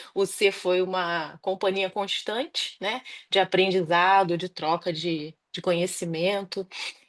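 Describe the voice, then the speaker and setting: A woman in a Rio de Janeiro accent, medium pitch, fairly even intonation and a fairly slow pace, with a dry, close sound and no echo. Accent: carioca. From Rio de Janeiro, Brazil. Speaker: spiritist children's educator. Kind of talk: spiritual reflection on a video call.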